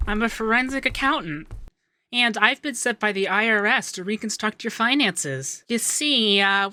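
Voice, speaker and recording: Man acting a bright-voiced, coy, effeminate young accountant. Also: very high voice, no room sound, full character voice. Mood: polite, businesslike. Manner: coy, teasing, lilting, hesitant in places. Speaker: ASMR voice actor. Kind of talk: ASMR roleplay.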